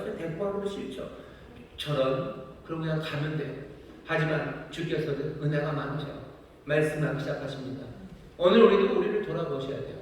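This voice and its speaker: A man pastor preaching a sermon with passion, often voicing God's rebukes as pointed questions. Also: a little high. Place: large church sanctuary. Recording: echoey hall, distant mic.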